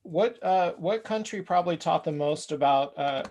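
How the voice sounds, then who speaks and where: A man's voice: a little high, normal speed, darkish tone. A man hosting a casual craft show interview over a video call, upbeat with frequent fillers. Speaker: host.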